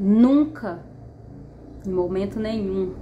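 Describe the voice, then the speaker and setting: A woman at a very slow pace over light background noise. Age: 30s. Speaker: YouTuber, trained teacher. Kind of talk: personal testimony. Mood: earnest, animated faith testimony. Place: home room. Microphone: phone near.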